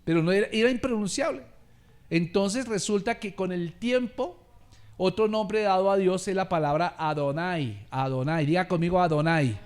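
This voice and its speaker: A man's voice: sits high, normal speed, a little mellow, clear, resonant tone. A man preaching a sermon, calling on listeners to repeat words after him and addressing them as beloved brother. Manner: preaching with rising volume and call-and-response. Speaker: pastor.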